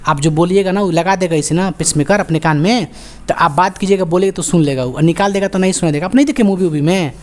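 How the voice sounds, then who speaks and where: A woman's voice: on the low side, darkish tone. Bihari-accented woman teacher quizzing students. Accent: Bihari Hindi. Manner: quizzing students with rapid call-and-response questions; joking, scolding. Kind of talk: classroom lecture.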